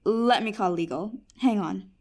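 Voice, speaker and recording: A woman's voice: mid-range voice, measured pace, very noisy, close to an everyday voice. A woman playing a patient, wry genie who runs a magical help desk in a fantasy comedy audio drama, sounding professional. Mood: efficient, helpful. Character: patient, helpful female genie working magic support desk.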